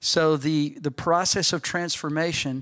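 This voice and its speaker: Over a quiet background, a man talks with a Georgia accent. His pitch is fairly high and his pace moderate. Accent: Southern American (Georgia). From US South, Georgia. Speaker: teacher at a church. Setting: church hall with small in-person audience, filmed. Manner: plainspoken, earnest explanatory delivery with some repetition and self-correction; relaxed, folksy and chatty, with frequent chuckles and asides. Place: church. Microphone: handheld.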